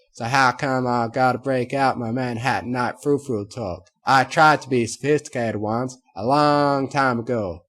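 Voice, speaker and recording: A man's voice: mid-range voice, a bit bright, pitched above the performer's own voice, lightly acted. A man voicing a plainspoken farm mare. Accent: Southern US. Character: proud honest farm mare, southern twang.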